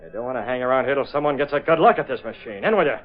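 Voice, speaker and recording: A man's voice: mid-range voice, expressive, rapid-fire, close to an everyday voice. A man acting out a masked crime fighter in an old radio play, barking short, threatening commands at a crook. His voice sits in a middling register and comes through a thin, tinny, lo-fi transcription with faint music underneath. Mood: menacing. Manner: curt, menacing orders. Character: masked male vigilante, cold and commanding. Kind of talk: 1930s radio drama acting.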